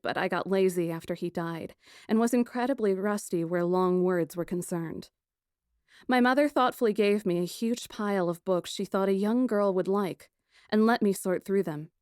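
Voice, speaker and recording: A woman playing a plucky, sarcastic kidnapped young woman who narrates her ordeal in a first-person audiobook, wry and expressive. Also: medium pitch, clear, resonant tone, no echo, studio quality, close to an everyday voice.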